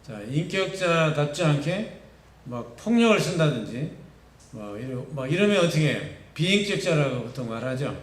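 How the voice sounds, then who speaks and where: A man with a Gyeongsang accent preaches to teenagers in a fairly high voice, chatty and full of questions to the room. He sounds distant from the microphone, and the church hall adds a roomy echo around every phrase. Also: big pitch swings, normal speed. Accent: Gyeongsang Korean. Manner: conversational, keeps asking the listeners questions. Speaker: pastor for youth. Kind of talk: youth sermon. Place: church sanctuary.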